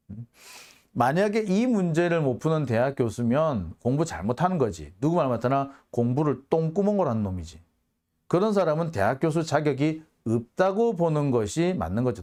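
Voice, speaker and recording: A man's voice: on the high side, dark tone. A man hosting a political commentary monologue, heated and sarcastic, firing off rhetorical questions.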